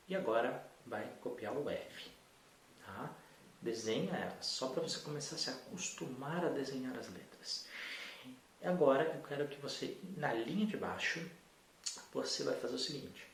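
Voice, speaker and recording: Guy teaching adults to read, patient and chill, echoey room, mic kinda far, bit of hiss. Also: mid-range voice. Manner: patient, encouraging, talks to the learner directly. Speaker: literacy teacher. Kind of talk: adult literacy lesson.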